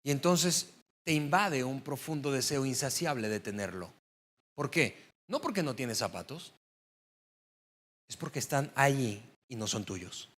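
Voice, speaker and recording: A man's voice: mid-range voice, animated, a little slow, a bit bright. A male pastor preaching a sermon to a congregation, talking conversationally and building up to emphatic stress on key words.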